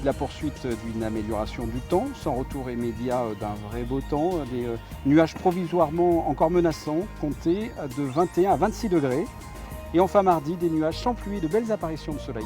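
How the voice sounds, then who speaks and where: A man with a French accent anchoring a local news broadcast, interviewing a guest with a chatty, hesitant manner full of fillers. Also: mid-range voice.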